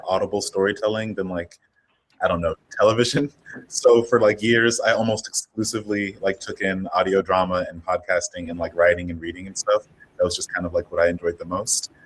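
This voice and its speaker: A man's voice: deep voice, poor audio. A man chatting casually as a panelist, effusive and peppering his talk with "like". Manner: effusive, heavy use of "like". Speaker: panelist, audio drama creator.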